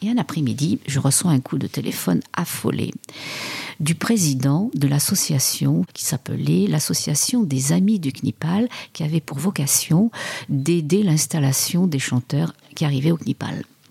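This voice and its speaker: Noticeable background noise surrounds a woman's very deep, low voice, recorded dry and close with no echo. She speaks at a fairly slow pace with very wide pitch swings. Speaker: concert organizer. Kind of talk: testimony.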